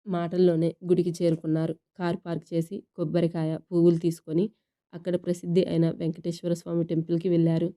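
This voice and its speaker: Warm, smooth-voiced woman storyteller. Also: on the low side, completely flat delivery, fast. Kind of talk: storybook narration.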